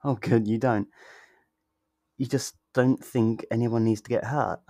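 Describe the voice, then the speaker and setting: A man's voice: mid-range voice, fairly even intonation, warm tone, dry recording, clean studio sound, natural voice. A man playing a sweet, possessive yandere lover in an intimate ASMR roleplay, tender and reassuring. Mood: protective, concerned. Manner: tender, reassuring, slow and deliberate.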